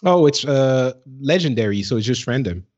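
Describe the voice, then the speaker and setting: A man's voice: medium pitch, lively intonation, moderate pace, a little mellow. Male gaming co-host, average register, casual hesitant chat, somewhat dull audio. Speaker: podcast co-host. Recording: slightly dull, lo-fi voice track.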